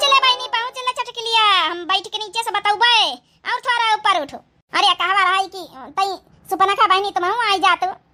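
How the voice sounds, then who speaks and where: Over music in the background, a woman puts on a cartoonish character voice at an extremely high pitch, speaking at a moderate pace with ordinary pitch variation. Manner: loud, bickering.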